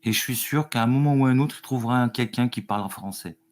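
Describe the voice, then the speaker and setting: A man's voice: medium pitch, fast talker, darkish tone. A man in a casual group discussion, making his point at length, rambling but emphatic. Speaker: discussion panelist.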